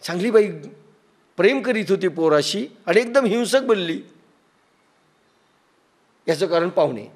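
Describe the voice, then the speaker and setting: A man with a Marathi accent preaching a sermon, telling stories with acted-out quotes and everyday examples, and chanting scripture verses slowly. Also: high voice, expressive. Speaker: spiritual teacher.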